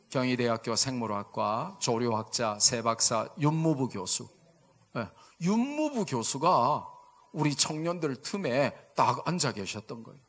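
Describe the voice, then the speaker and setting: Busan-accented pastor in his fifties, animated. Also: fairly high pitch. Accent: Busan Gyeongsang dialect. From Busan, South Korea. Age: 50s. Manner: animated, jokey, asks the congregation for replies. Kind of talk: humorous storytelling sermon. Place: church sanctuary.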